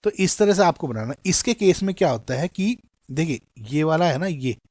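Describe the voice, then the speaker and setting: A man's voice: on the high side, expressive, a little mellow, no room sound, clean studio sound. A man teaching an exam-prep chemistry lesson, explaining step by step and often checking understanding with "okay" and "correct". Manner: reads question text slowly in English. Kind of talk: exam-prep lecture in Hindi-English mix.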